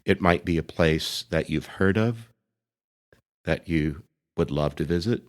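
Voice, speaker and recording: Guiding a meditation, this priest has a very deep voice and speaks with gentle deliberation, leaving pauses after each short phrase.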